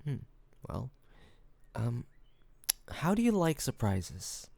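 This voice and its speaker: Man playing a slow, gravelly, smitten mafia boss. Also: medium pitch, very animated, dry recording, exaggerated voice. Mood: shy, tender. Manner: halting, soft-spoken, bashful hesitations. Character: smitten, hospitable male mafia boss, awkwardly courteous. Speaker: voice actor in an audio roleplay. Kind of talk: intimate romantic audio roleplay acting.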